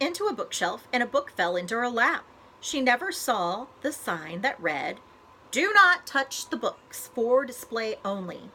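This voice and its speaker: A woman librarian reading a children's storybook aloud, with expressive, deliberate phrasing for young listeners. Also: a little high, slight background noise.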